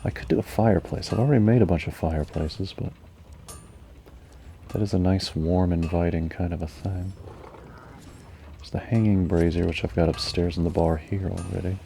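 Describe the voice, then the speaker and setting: A man giving calm gaming commentary, musing slowly and mellowly to himself. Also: low voice, vocal fry, slight background noise. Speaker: gamer.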